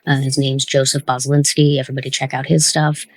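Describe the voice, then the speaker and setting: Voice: medium pitch, level tone, a little fast, no echo. A podcast host in a casual interview and commentary, talking in a thoughtful, encouraging way as the show's creator.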